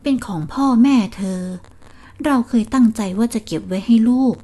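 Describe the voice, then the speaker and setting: A woman's voice: fairly high pitch, normal speed, mellow, close to an everyday voice. A woman voicing a worried old husband who pleads with his wife not to be fooled. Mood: pleading. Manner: pleading, anxious, reproachful.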